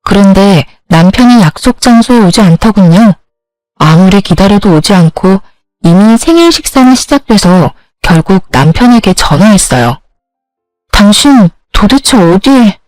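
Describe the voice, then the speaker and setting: A woman reading a scripted first-person story in a plain, measured manner. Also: medium pitch, expressive, darkish tone, no room sound, soft background music, low-quality recording. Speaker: story narrator.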